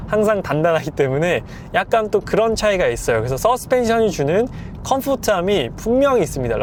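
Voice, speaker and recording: A man reviewing a car as he drives, explaining things in a measured, polite way with a slightly hoarse, clogged throat. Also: high voice, very animated. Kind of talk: car review commentary while driving. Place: inside a moving car. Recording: clear vehicle and road noise. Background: car driving noise.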